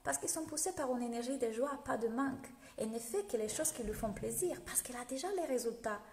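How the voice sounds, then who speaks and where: Lively Italian-accented woman in an echoey room. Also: a little high, a little fast, a little hiss or hum. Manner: lively, laughs often, greets viewers' comments. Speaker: business coach. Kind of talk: live video talk to followers. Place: home room indoors. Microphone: phone held at arm's length. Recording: echoey room with long reverb.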